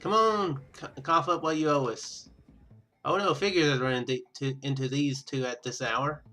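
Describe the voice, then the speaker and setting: A man doing casual let's play commentary, reading game text aloud and rambling as he thinks out loud. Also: mid-range voice, normal speed. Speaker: gaming video host.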